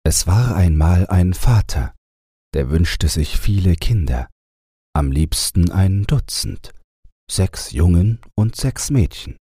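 A man reading a bedtime storybook aloud as an audiobook narrator, with measured, expressive phrasing and deliberate delivery. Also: low-pitched, breathy edge, dry recording, clean studio sound. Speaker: audiobook reader.

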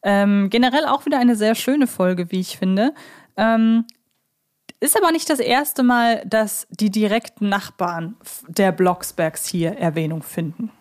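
A woman co-hosting a podcast, chatting casually as a fan and often pausing to search for her words. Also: medium pitch, darkish tone. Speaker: podcast co-host.

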